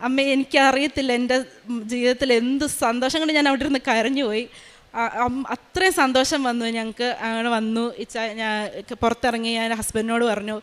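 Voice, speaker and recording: Recorded in a spacious church hall, a woman who works as a maternity nurse shares a heartfelt personal testimony. Her words come fast with many hesitations, her pitch is fairly high, and her intonation stays fairly even.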